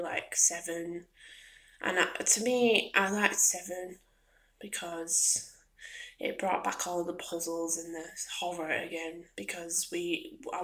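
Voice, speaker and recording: A woman rambling softly in an ASMR style, hesitant and at times slipping toward a whisper. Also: lowish voice, vocal fry, rough recording. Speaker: gaming and ASMR video creator. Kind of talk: soft-spoken ASMR ramble.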